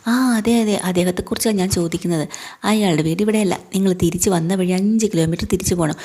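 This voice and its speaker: A woman's voice: on the low side, fast, dark tone, close to an everyday voice. A woman voicing a wealthy businessman in a serial retelling. He disguises his voice and evasively gives a stranger directions away from his own house. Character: wealthy businessman hiding behind a newspaper.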